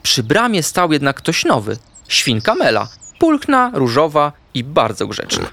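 A man narrating a children's bedtime story in an expressive, playful way. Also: fairly high pitch, a little slow, creaky. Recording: faint background music.

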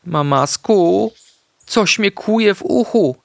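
A frightened little puppy pleads in a small, whiny voice that jumps high and low, as a man reading a children's story puts him on. The voice sits well above an adult's usual pitch. The sound is close and completely dry. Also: big pitch swings, measured pace, fairly bright tone, no echo, heavily acted. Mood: timid. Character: timid little male puppy, scared of doctors. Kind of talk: storybook character voice.

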